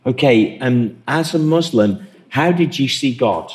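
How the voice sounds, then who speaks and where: A man leading an interview at a church service, gently prompting his guest with questions and summing up what she says. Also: mid-range voice, lively intonation, a little slow.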